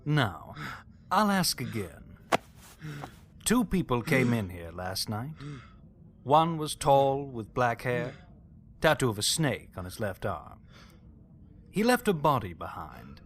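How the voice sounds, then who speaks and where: An actor playing a coolly threatening criminal enforcer in an audio drama. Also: male voice, medium pitch, big pitch swings, slow pace, long pauses, noisy background. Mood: quiet menace. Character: menacing criminal enforcer, coolly threatening, deferential to his boss.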